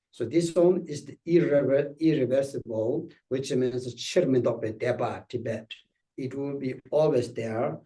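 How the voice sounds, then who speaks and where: A man gives a Buddhist teaching at a very slow pace, stopping often to search for the right words. His voice is dark and mellow. It sounds distant, as if he is some way off the microphone. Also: mid-range voice. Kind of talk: dharma teaching. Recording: distant from the mic.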